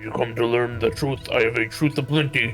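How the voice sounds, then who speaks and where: Clear music plays in the background as a man puts on a character voice. He talks at a fairly quick pace with medium pitch. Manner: jocular.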